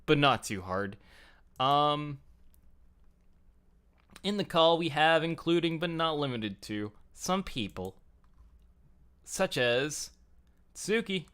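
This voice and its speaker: A man with a smooth, clear voice hosts a casual online hangout. His pitch moves around in an animated way as he rambles through jokey, self-deprecating asides. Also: takes it slowly, pauses often. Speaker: host of a fan livestream talk show. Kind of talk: casual group chat. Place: home computer setup, online group call. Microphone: headset.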